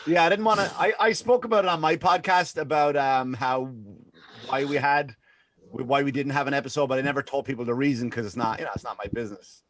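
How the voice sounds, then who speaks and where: A man's voice: mid-range voice, fairly even intonation, a little fast, a bit bright. A man co-hosting a podcast in casual chat, teasing the others and laughing along. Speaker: podcast co-host.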